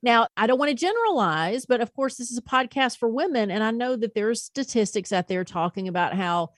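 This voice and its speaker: A woman's voice: fairly high pitch, lively intonation, brisk, no echo, studio quality. A woman hosting a podcast, asking long questions with a few restarts. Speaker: podcast host. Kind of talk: interview questions.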